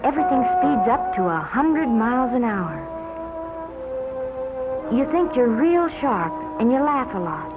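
A young American woman, played by an actress, recounts her troubled past as a former addict in a world-weary, dramatic confession. It has the narrow, dull sound of a 1950s film soundtrack, with music playing clearly behind her. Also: a little high, sing-song, measured pace, pauses often. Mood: wry, reflective. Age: young adult. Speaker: narrator of a confessional story. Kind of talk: 1950s educational film narration in first person.

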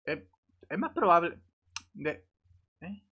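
A man with an accent from Spain chatting casually over a voice call, in a halting way that repeats words. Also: a little high, very animated, breathy edge. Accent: Spanish from Spain. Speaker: gamer in a voice chat. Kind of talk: casual chat. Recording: slightly dull voice-chat audio.

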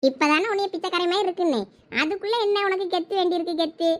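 ஒரு பெண் நடிக்கும் கிண்டலான கிராமத்துப் பெண். மிக உயர்ந்த குரலில் வேகமாகப் பேசுகிறாள். கேள்விகளை அடுக்கிக் கொண்டே, கூர்மையான நாக்குடன் கேலி செய்கிறாள். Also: female voice, very high-pitched, racing. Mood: teasing. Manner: sharp-tongued, mocking, chatty. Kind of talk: comic skit acting.

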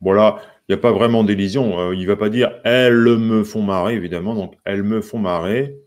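A man's voice: lowish voice, fast talker, a little mellow. French man teaching songwriting live. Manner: patient, counting syllables aloud and greeting viewers by name. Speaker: music teacher. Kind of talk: live-streamed songwriting lesson.

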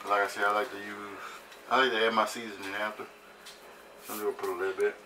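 A young man talking casually as he cooks in a small home kitchen, relaxed and repeating "you know what I'm saying.". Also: fairly low pitch, quick pace, noisy background. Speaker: vlogger cooking at home. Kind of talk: casual cooking vlog talk. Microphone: camera across the kitchen.

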